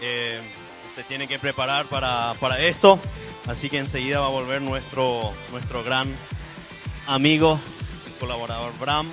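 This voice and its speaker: A man's voice: medium pitch, steady tone, moderate pace. A man working as an on-stage interpreter, delivering short translated phrases at a live event. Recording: live event with music behind.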